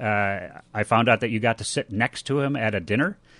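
The man has a plain, everyday voice at a medium pitch with ordinary pitch variation. His sound is dry and close with no echo, over a quiet background. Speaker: radio host. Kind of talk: radio interview. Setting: radio studio with video call guest.

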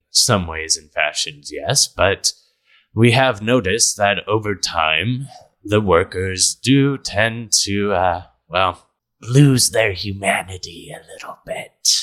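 A man's put-on character voice, fairly low in pitch, at a fairly slow pace, in a very clean recording with a silent background. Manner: hesitant, polite, fussy, lots of ums and uhs.

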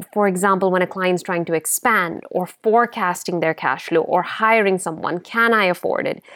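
At a moderate pace, a woman talks in a normal speaking voice at medium pitch with ordinary pitch variation, in a very clean recording with a silent background. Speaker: CPA firm owner. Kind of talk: podcast interview.

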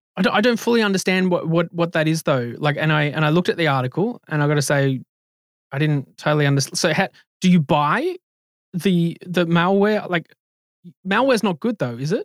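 The speaker talks at a fairly quick pace with lively intonation and very even loudness, in a dry, close sound with no echo. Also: man, high pitch for a man. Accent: Australian. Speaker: healthtech community founder and podcast host. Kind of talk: casual chat. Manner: animated.

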